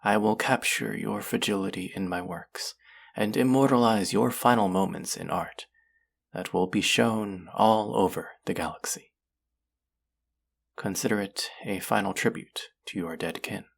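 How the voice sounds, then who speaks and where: A performer playing a cruel alien collector in an audio drama, condescending and cooing with false kindness, slowly savoring the words. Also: mid-range voice, gravelly, husky. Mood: menacing, rapturous. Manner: condescending, cooing, slow and savoring, often dropping to whispers. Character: cruel, covetous alien collector-artist feigning kindness to a captive. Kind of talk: dramatic second-person audio roleplay monologue.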